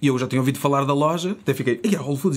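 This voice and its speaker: A man with a European Portuguese accent talks at a very fast pace. His pitch varies in an ordinary way. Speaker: traveller telling a travel story. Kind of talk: casual storytelling chat. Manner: animated.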